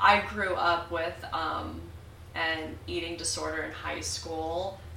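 A woman with an American accent speaks at a very slow pace amid noticeable background noise and audible room echo. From Arizona, US. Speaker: yoga teacher. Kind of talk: casual interview.

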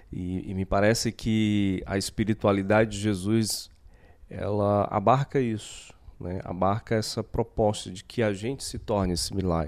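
An ordinary speaking voice goes at a fairly slow pace with fairly even intonation in a very clean recording with a silent background. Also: man, fairly low pitch for a man. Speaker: podcast co-host. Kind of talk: reflective discussion.

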